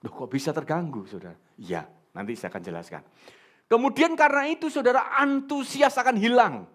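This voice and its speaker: A little fast, this church pastor's fairly high voice swings up and down with lots of animation. He addresses the room in a lively sermon style, tossing out questions to the congregation and jokes along the way.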